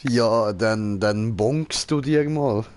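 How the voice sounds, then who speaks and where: A man's voice: on the low side, slow, a little mellow. A man with a Swiss German accent chatting casually while streaming a game, giggly, jokey and full of slang. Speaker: gaming streamer reading and answering chat. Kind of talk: casual gaming chat.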